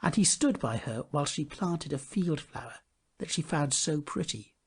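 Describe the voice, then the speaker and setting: Male audiobook narrator for children's classics. Dramatic, animated intonation, slightly rough-edged tone. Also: on the high side, normal speed. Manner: expressive, dramatic storytelling. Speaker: storybook reader. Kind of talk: scripted storybook narration.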